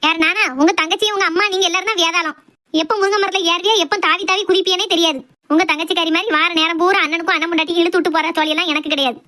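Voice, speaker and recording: A woman voicing a sharp-tongued, outspoken village wife and mother in a cartoon family drama, scolding and argumentative with a Tirunelveli Tamil accent. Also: very high-pitched, fairly even intonation. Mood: indignant, combative. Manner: scolding, argumentative, rapid complaints.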